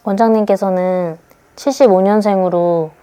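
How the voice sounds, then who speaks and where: A woman's voice: medium pitch, fairly even intonation, normal speed, mellow, soft background music. A woman asking polite, deferential interview questions.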